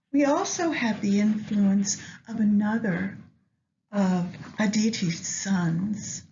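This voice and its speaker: A woman leading a guided meditation with astrology, speaking gently and in measured short phrases with long pauses. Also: medium pitch. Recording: dull lo-fi sound, faint background noise.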